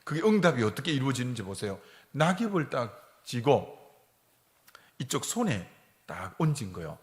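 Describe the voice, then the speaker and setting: A male pastor preaching a sermon, telling a story and swinging between hushed and fervent delivery. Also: mid-range voice, big pitch swings, normal speed. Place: church sanctuary. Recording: long reverb of a church sanctuary.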